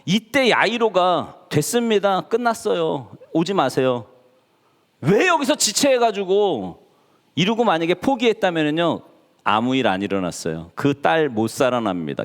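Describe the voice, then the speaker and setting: A male pastor preaching a sermon in a church, talking to the congregation and acting out the people he quotes. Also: high voice. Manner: animated, acts out quoted voices. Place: church sanctuary. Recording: church hall reverb.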